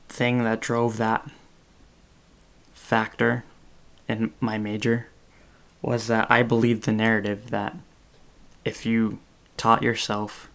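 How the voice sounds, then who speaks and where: Young man rambling with a creaky voice. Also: fairly low pitch, a bit bright. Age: 20s. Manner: rambling, many fillers and self-corrections. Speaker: podcast host. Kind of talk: casual unscripted chat on a video call. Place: small room indoors.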